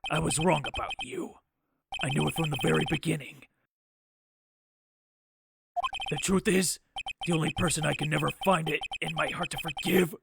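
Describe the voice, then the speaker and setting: A man playing a bitter, remorseful former defense attorney in a game fan dub, gravelly and brooding, delivering theatrical confessions. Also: fairly high pitch, fairly even intonation, a little fast, background noise. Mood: confessional. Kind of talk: dramatic visual-novel game fan dub. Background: loud music.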